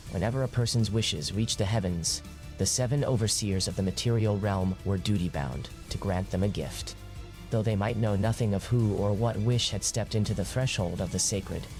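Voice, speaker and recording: An actor playing a solemn fantasy game narrator, reading scripted lore in a formal manner. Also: male voice, on the low side, darkish tone, natural voice.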